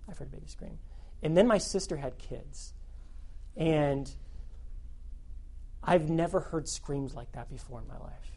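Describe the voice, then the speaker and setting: A man preaching a sermon to students as their youth pastor, animated and repeating phrases for emphasis. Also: a little high.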